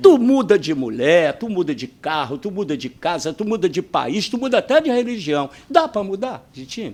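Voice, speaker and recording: A man is speaking. He goes at a fairly slow pace. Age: 70s. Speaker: former footballer turned pundit. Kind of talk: casual interview chat. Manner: animated.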